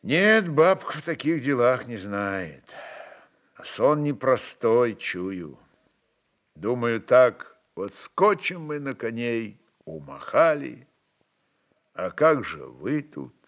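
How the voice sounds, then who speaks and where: Мужчина играет задумчивого казачьего атамана, речь неторопливая. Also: male voice, medium pitch, big pitch swings, slow pace. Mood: brooding, tender. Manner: plain folksy dialect, musing. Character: brooding Cossack chieftain, blunt father with a young son.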